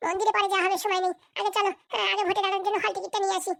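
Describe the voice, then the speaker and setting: Bossy, scheming cartoon mum, extremely high processed pitch, rapid-fire scolding, Bengali accent. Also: little pitch movement, vocal fry, a bit bright, no room sound, studio quality, heavily acted. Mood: bossy, hurried. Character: scheming, bossy cartoon mother with political ambitions. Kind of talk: Bengali comedy cartoon voice acting with pitch-shifted voices.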